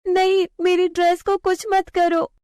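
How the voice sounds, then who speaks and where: A woman's voice: steady tone, moderate pace, no echo, clean studio sound. A woman doing a timid, teary schoolgirl. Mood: defiant. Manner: pleading, shaky, high-pitched. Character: timid dark-skinned schoolgirl, teased and tearful.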